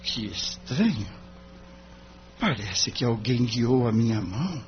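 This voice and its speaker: A man's voice: medium pitch, big pitch swings, takes it slowly, muffled recording, slight background noise. A man playing an earnest young lawyer. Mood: pondering. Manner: polite, thoughtful, hesitant fillers. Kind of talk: audio drama acting.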